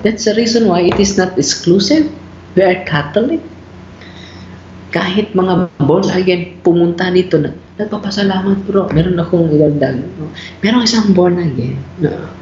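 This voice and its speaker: A Catholic priest and exorcist teaches conversationally on a talk show, speaking at normal speed as an animated storyteller. He mixes English into his Filipino and keeps dropping "bro" and "no?". The recording sounds roomy, dull, and low-fi, with slight background noise.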